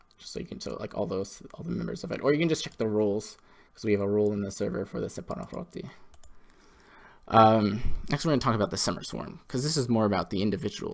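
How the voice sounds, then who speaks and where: Talking at a very fast pace with vocal fry, a man speaks in a fairly low pitch that takes very wide swings. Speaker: presenter of a religious community. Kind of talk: online presentation. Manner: halting with many repetitions.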